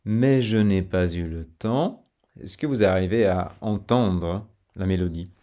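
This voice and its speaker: A man giving a French pronunciation lesson, saying model sentences with careful, syllable-by-syllable articulation and repeating each phrase slowly. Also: deep voice, mellow.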